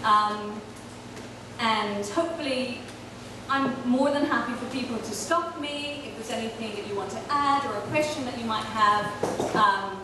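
A woman raised in Ireland giving an academic keynote lecture at a panel table, speaking in a measured, thoughtful way with frequent fillers. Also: a little high. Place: large hall, on stage at a panel table. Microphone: table microphone, heard from far off. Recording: echoey hall from far off, noisy.

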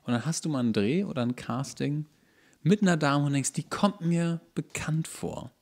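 A man's voice: fairly high pitch, normal speed. A man chatting casually as a podcast co-host, hesitant and often repeating the starts of his phrases. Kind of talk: casual comedic podcast banter.

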